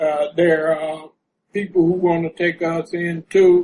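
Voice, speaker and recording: With a dark, mellow tone and a high pitch, a man speaks at a very slow pace in a monotone, flat intonation. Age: 70s. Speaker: former Secret Service agent. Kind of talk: interview. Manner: halting.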